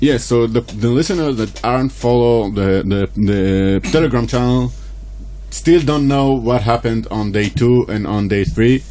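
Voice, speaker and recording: Over noticeable background noise, the speaker goes at a fairly slow pace in an Israeli accent, with ordinary pitch variation. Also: man, medium pitch for a man. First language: Hebrew. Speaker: podcast co-host, poker player. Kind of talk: casual chat. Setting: studio. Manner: halting, many repeated words.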